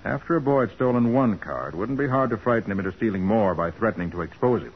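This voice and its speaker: A calm, authoritative male detective from a 1940s radio crime show. His low voice swings with expressive emphasis and brisk command. It comes through a dull old broadcast recording. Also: breathy edge. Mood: calm, firm. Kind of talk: 1940s radio drama acting.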